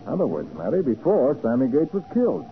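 1940s radio private eye: American, shrewd, authoritative, lively inflection, muffled recording with slight hiss. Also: male voice, mid-range voice. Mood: shrewd, calm. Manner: measured, probing, authoritative. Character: calm, shrewd, commanding male private detective. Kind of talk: 1940s radio crime drama acting.

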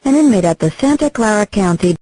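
A woman's prerecorded operator voice announcing a collect call from a prison payphone, in slow, evenly spaced automated phrasing. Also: medium pitch, animated, dark tone, slightly rough, no room sound. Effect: recorded prison payphone call announcement.

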